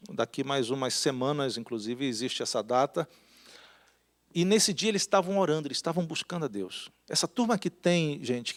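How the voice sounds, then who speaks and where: Man preaching a conversational church sermon. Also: fairly high pitch. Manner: conversational preaching, asks the congregation questions. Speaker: pastor. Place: church hall.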